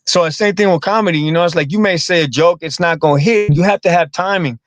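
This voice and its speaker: A man's voice: high-pitched, quick pace, dry recording. A man, a comedian and actor, talking casually in an interview, rambling and repeating words with streetwise slang.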